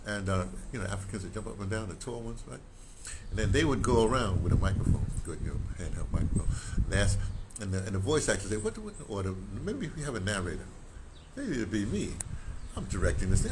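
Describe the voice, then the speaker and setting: In this casual walk-and-talk vlog, an older man who vlogs about audio drama rambles and repeats words, gesturing as he tours his small home and then a sunny patio outside. His pitch is fairly low. The phone camera, held at arm's length, picks up clear background noise.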